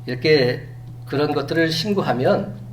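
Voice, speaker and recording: A man preaching a sermon as pastor, animated, acting out quoted lines. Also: fairly high pitch, normal speed. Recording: distant mic with faint hum.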